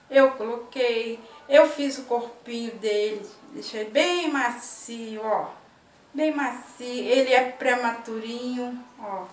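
Chatty woman in an echoey kitchen. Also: fairly high pitch. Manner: chatty, affectionate, tags lines with "né" and "ó". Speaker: vlogger. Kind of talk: casual chat to camera. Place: home kitchen, indoors. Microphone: laptop or webcam at arm's length. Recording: echoey tiled kitchen, mic at a distance.

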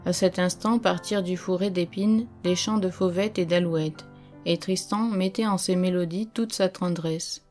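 A woman reading an audiobook as narrator, in a measured, solemn storytelling manner. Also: fairly low pitch, steady tone, darkish tone, soft background music. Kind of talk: scripted narration.

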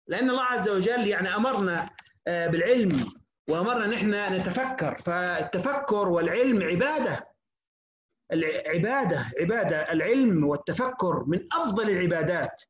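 A woman's voice: fairly low pitch, lively intonation. A woman teaching English to beginners, repeating and stretching out each sound patiently as she drills it. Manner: drawn-out, repetitive drilling of sounds. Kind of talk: online lecture for beginners. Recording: roomy, dull lo-fi recording.

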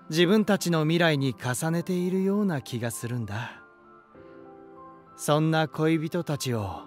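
An actor playing an elegant, romantic lighthouse spirit in a voice drama, gentle and warm, with poetic, softly teasing delivery. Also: male voice, a little high. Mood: gentle, reflective. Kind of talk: Japanese voice drama monologue and dialogue. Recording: music behind. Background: music.

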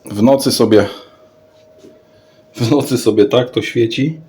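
With an unhurried, medium-pitched and slightly mellow voice, this man rambles through an improvised product showcase, frequently repeating words and phrases. He's a vlogger into radio as a hobby.

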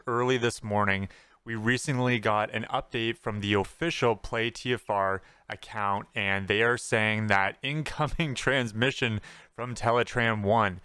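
A young man, slightly hoarse, talking casually and earnestly about gaming news as a channel host, repeating words for emphasis. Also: medium pitch, bright, forceful tone, dry recording. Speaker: gaming YouTuber. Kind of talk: casual commentary on game news.

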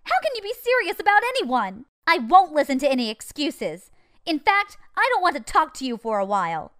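A woman's voice: sits high, big pitch swings, fairly quick, a bit bright, no room sound, clean studio sound. A woman voicing a jealous, scolding teenage schoolgirl in an anime fan dub. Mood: angry. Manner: accusing, scolding. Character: angry jealous teenage schoolgirl confronting a two-timer.

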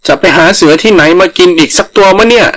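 A man's voice: sits high, fast talker, a bit bright, voice pushed up. A man voicing a sly little rabbit in a folktale, bluffing with brash swagger. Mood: boastful bluffing.

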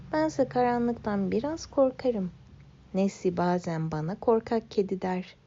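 A young woman with a mid-range, mellow voice and a gravelly fry beneath it narrates a children's story in the first person. Her delivery is gentle and wistful, and the recording sounds slightly muffled and lo-fi.

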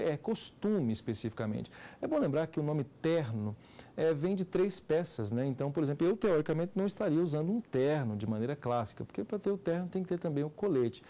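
A man's voice: fairly high pitch, dark tone. A middle-aged Brazilian man with a Brazilian Portuguese accent, a law professor giving a televised lecture and explaining with rhetorical questions.

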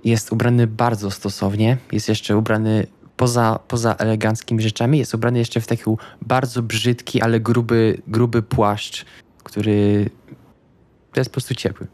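A man's voice: on the low side, flat delivery, moderate pace, a little mellow, no echo. A man talking casually and politely, with some hesitation, as a player in a tabletop role-playing game. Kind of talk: casual in-character conversation.

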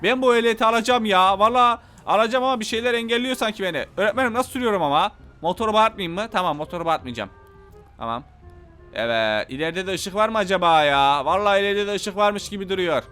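A man giving casual gameplay commentary, excitable, shouting angry threats one moment and muttering calmly to himself the next. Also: high voice, fast talker, smooth, soft background music. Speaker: gameplay YouTuber.

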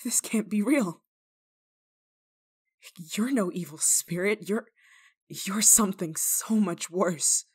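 A woman playing a stern but kind-hearted village nun in a dramatic roleplay monologue, scolding and teasing with theatrical pauses. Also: medium pitch, a little mellow, husky. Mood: awed, wondering.

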